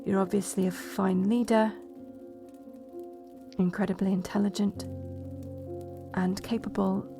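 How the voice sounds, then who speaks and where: A woman's voice: medium pitch, level tone, measured pace, gravelly, pauses often, over music. A woman playing a proud, blunt betrothed princess in a medieval romance audio roleplay, sardonic and exasperated in manner. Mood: subdued reading. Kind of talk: romance audio roleplay acting, addressed to listener.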